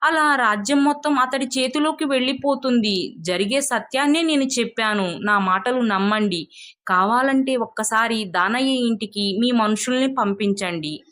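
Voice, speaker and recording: A woman's voice: on the high side, moderate pace, a bit bright, natural voice. Woman voicing a sly, envious village schemer. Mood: flattering, insistent. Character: envious scheming village man, flattering and plotting.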